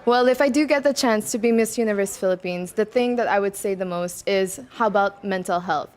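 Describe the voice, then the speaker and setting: A woman's voice: mid-range voice, a little fast. A woman in her twenties who grew up in Macau, answering pageant interview questions in a bubbly way, laughing between answers and mixing in Tagalog words. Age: 20s. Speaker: pageant candidate.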